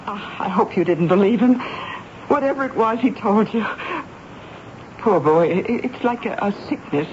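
A woman's voice: mid-range voice, expressive, normal speed, natural voice. An actress playing a doting, apologetic mother, fussing and gushing in a 1970s radio drama. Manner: fussing, gentle, gushing with many ohs. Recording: dull, noisy vintage radio broadcast.

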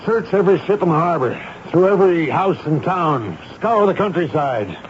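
An actor playing a stern, authoritative army major in a 1970s radio drama. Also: male voice, high voice, expressive. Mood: urgent, alarmed. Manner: authoritative, brisk, urgent. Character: stern, commanding army major recounting and leading a manhunt. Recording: muffled, very noisy 1970s radio recording.

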